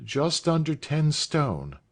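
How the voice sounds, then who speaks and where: A man's voice: on the high side, very animated, slow, voice pushed up, full character voice. A man reading aloud voices a nervous, earnest teenage schoolboy who speaks hesitantly.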